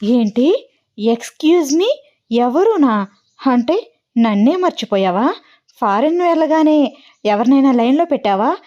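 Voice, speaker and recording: A woman's voice: sits high, darkish tone, voice pushed up. A woman voicing a mischievous young woman who fakes tearful heartbreak on a prank call. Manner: melodramatic, teasing, tearful. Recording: dull lo-fi audio.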